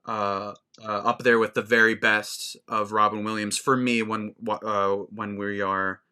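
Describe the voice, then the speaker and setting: A man's voice: on the low side, flat delivery, a little slow, bright, forceful tone, clean tone. A man hosting a casual film podcast, talking in a rambling way with many restarts. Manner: rambling, restarts a lot, laughs often. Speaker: podcast host.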